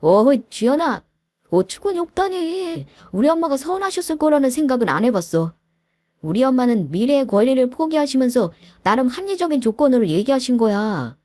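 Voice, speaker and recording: A woman's voice: sits high, very animated, brisk, darkish tone, dry recording, clean studio sound, pitched above the performer's own voice. A woman voicing a young adult boyfriend who sides with his mother, in a pleading, pushy tone, in a dramatized story reading.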